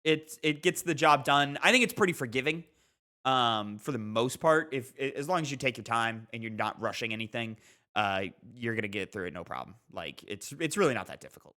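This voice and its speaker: A man co-hosting a gaming podcast, chatting casually and telling things in an animated way. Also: mid-range voice, a little fast. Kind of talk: casual chat.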